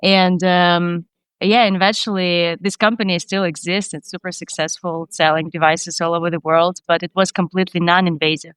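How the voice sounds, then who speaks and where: Ukrainian accent woman, lowish smooth voice, earnest and dreamy on a podcast, dry close mic. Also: level tone, moderate pace, fairly bright tone, no echo. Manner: earnest, dreamy, many restarts, light non-native grammar. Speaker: startup CEO guest. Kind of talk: casual podcast interview.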